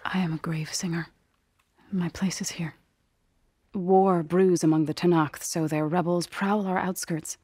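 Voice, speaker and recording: A solemn tribal grave singer from a video game, with a low, husky voice. She is gentle and earnest, choosing formal words with care. The sound is dry and close. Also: steady tone, no room sound. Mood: solemn, sorrowful. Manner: measured, earnest, formal phrasing. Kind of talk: video game character dialogue.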